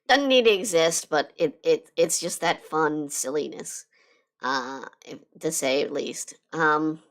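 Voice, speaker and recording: A woman chats casually while drawing on a live stream, her deep voice slightly hoarse because she's been sick. She talks a little slowly and rambles, with lots of fillers and restarts.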